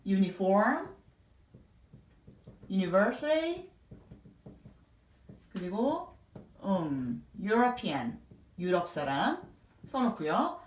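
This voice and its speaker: A woman teaching English grammar in a patient way, sounding out words slowly and repeating them. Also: mid-range voice, sing-song, reverberant, recorded from a distance. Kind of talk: explaining grammar at a whiteboard.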